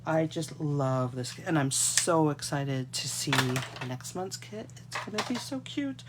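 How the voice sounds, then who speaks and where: A Canadian woman with a stuffy nose from an oncoming cold chats with viewers while showing how to make cards at her craft desk, an overhead camera catching only her hands. Her voice is deep, expressive and a bit slow, and the recording is very noisy. It's a relaxed live crafting tutorial.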